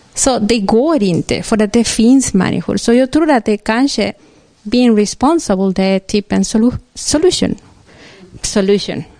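Speaking at a fairly slow pace with a Spanish accent, the voice carries lively intonation and very even loudness. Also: woman, fairly high pitch for a woman, dry, close sound with no echo. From northern Argentina. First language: Spanish (speaking Swedish). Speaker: audience member. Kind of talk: Q&A comment. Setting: seminar with live audience. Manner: halting.

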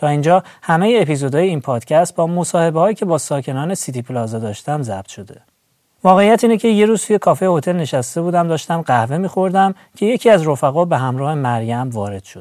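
A man's fairly high voice at a very fast pace, with very wide pitch swings and big swings in loudness. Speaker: podcast host. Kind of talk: scripted narration.

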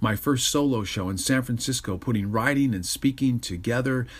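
Somewhat breathy, a man talks fairly quickly. His pitch varies in an ordinary way. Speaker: performer and screenwriter doing blog commentary. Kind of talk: scripted narration. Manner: fast.

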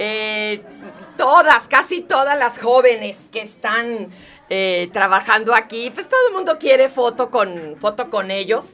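Her voice is high-pitched, bright and sharp. The woman speaks in an animated tone. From Mexico, Nogales, Sonora. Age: 60s. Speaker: radio host. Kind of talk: casual chat. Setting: studio.

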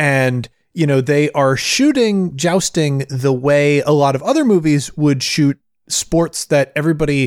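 The recording has a dry, close sound with no echo, and a man with a normal speaking voice talks at a fairly high pitch, a moderate pace and with ordinary pitch variation. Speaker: podcast host and RPG writer. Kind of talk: casual chat.

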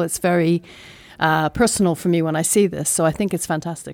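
A woman with a non-native accent speaks at a very fast pace and a fairly low pitch. The sound is dry and close, with no echo. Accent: non-British foreign. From outside the UK, Italian passport. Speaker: fintech executive and lecturer. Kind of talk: casual panel discussion. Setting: office studio.

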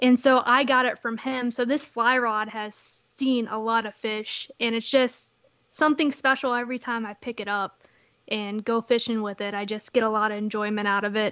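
In an American accent, a woman with a fairly high pitch and a bright, sharp tone speaks at a moderate pace with fairly even intonation against a quiet background. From Texas. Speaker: podcast co-host. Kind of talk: casual chat. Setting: remote video call.

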